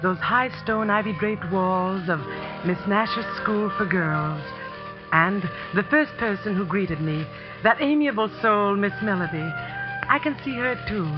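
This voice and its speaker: A woman's voice: mid-range voice, unhurried, close to an everyday voice. An actress playing an earnest young woman, a new sports teacher who narrates her own story in a 1940s radio drama. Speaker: narrator and lead character. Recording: muffled 1940s radio broadcast with music.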